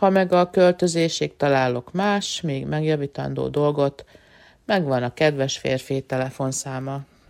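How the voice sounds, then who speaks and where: A woman speaks at a fairly slow pace in a very deep, low pitch. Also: ordinary pitch variation. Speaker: writer. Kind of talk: reading aloud.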